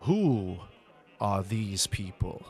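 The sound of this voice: A man's gruff, put-on character voice, fairly low in pitch.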